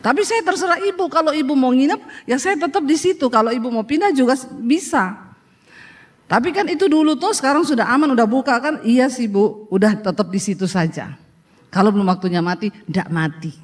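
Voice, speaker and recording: A woman's voice: sits high, a little fast. A woman preacher, telling a humorous story in a sermon, acting out the dialogue and teasing her listeners. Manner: lively storytelling, acts out dialogue, teases the audience.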